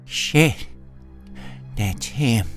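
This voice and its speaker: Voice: medium pitch, animated, very slow, faint music behind. A performer acting a cocky, wisecracking, streetwise male demon in a fan audio drama, with a theatrical, slangy manner. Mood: bitter, guarded.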